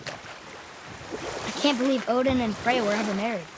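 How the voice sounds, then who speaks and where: An inquisitive, outspoken boy in a video game. The voice is high and youthful, with plain-spoken delivery. Water and boat noise is clearly audible behind it. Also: measured pace. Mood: puzzled. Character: curious, outspoken young boy travelling with his elders. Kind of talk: video game character dialogue.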